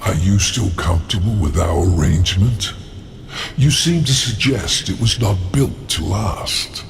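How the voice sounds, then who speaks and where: An actor playing a menacing, regal demon lord in a game cutscene, gloating in a formal, imperious manner with a gravelly voice. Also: male voice, sits low, a little slow, soft background music. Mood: sly. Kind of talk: video game cutscene acting.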